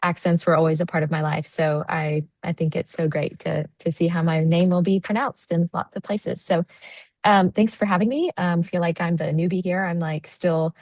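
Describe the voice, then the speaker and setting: An American woman in her thirties talks warmly and loosely on a video call, full of "um"s and "like"s. She is short on sleep, and her voice sits low and dry. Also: no echo. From United States. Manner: chatty, friendly, many fillers. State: sleep deprived. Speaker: guest presenter. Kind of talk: online presentation.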